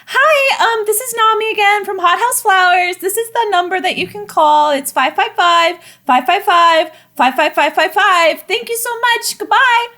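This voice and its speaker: A woman voicing a flustered, overly polite young florist leaving a phone message, in a high chirpy voice with nervous fillers. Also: normal speed, hardly any pauses, sharp tone. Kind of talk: tabletop role-play voicing.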